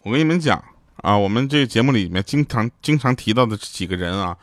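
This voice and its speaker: A man's voice: on the low side, quick pace, soft background music. A man hosting a show, telling comic anecdotes and acting out the people in them. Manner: lively, acts out quoted people in changed voices, laughs at his own jokes. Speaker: show host. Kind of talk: comic storytelling monologue.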